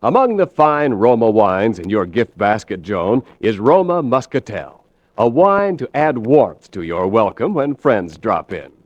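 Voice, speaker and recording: A man as radio announcer, reading a 1940s sponsor message in a smooth, salesy delivery. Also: lowish voice, sing-song, measured pace, dry recording. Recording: dry, dull lo-fi vintage broadcast.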